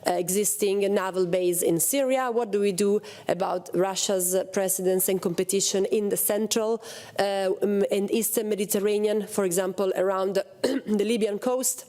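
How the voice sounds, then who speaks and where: A woman's voice: mid-range voice, steady tone, normal speed, warm tone. A woman from Italy, speaking on a policy panel, hesitant with many fillers and restarts. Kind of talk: panel talk on security policy.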